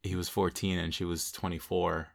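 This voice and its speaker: Deep gravelly young man, laid-back. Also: flat delivery, normal speed. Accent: Mexican. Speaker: podcast co-host. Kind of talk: casual chat.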